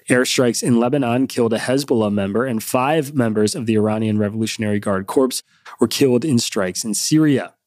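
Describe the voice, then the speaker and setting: Male news podcast host, congested nasal voice, brisk even read, dry close studio sound. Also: mid-range voice, dry recording. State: congested from a cold.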